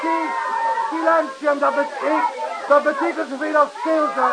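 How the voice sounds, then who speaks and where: A man's voice: very high voice, steady tone, measured pace, over loud music, rough recording. An actor playing a drunken, boisterous man declaiming like a pompous official in a Dutch radio drama. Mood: mock solemn. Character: drunken loud bar reveler, pompous mock official. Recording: old radio recording, rowdy crowd behind.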